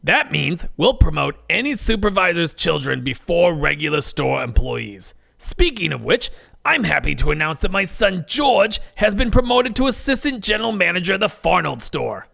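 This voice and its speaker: A man voicing a bossy, officious woman who trains pizza store staff, with a gravelly voice, in a comedic story. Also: medium pitch, big pitch swings, normal speed, fairly bright tone, no echo, pitched above the performer's own voice, heavily acted. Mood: smug, instructive. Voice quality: gravelly, creaky. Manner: officious, corporate-script delivery.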